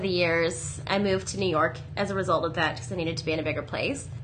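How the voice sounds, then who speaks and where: Noticeable background noise is present throughout. Over it, a woman races along very fast, with hardly any pauses. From Hawaii. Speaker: travel guidebook founder. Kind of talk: casual interview. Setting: hostel.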